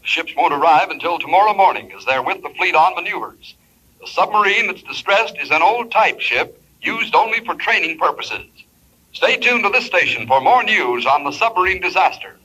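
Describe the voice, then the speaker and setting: An actor playing a radio news announcer reading bulletins in a brisk, formal manner. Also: male voice, sits high, expressive, sharp tone, husky, exaggerated voice, rough recording. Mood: urgent. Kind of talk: 1940s radio acting.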